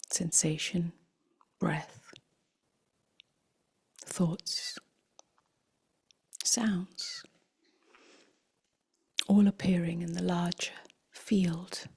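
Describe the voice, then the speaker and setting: In a low-leaning, near-whispered voice, a woman teaching meditation leads listeners through a guided contemplation. She sounds gentle and breathy, never rushing, with long pauses between phrases.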